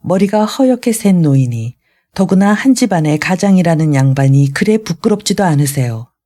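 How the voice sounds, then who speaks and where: A bitter young son loses his temper and lashes back at his father in a storybook reading. The voice is mellow and dark in tone at a middle pitch, as a reader acts him out. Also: lively intonation, normal speed, close to an everyday voice. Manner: bitter, raised voice.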